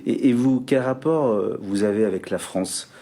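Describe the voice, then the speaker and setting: A man who conducts a formal face-to-face interview, asking measured, polite questions. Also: on the low side, mellow.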